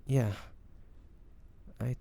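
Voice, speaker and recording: A man playing a devoted, nervous young man in love with his best friend, speaking softly and hesitantly in an intimate romantic audio roleplay. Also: extremely slow. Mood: overjoyed, moved. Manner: hesitant, stammering, breathy sighs.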